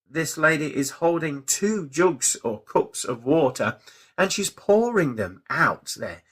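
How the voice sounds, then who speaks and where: A man hosting a spiritual radio show, talking in a measured, reassuring way as he gives guidance and addresses his listeners. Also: on the high side, bright, forceful tone. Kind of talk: spiritual forecast and show sign-off, semi-improvised talk.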